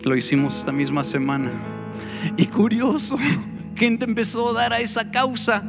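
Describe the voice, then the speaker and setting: A man's voice: very high voice, moderate pace, creaky. A man with a Mexican accent preaching a sermon as pastor, fervent and storytelling, with exclamations. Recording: sermon with loud music underneath.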